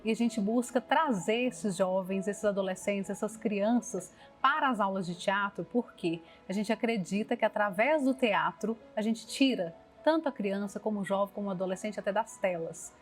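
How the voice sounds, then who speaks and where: A woman's voice: mid-range voice, normal speed, hardly any pauses. A woman with a Brazilian accent answering in an interview, explaining as she goes and often rephrasing. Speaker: theatre company producer. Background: music.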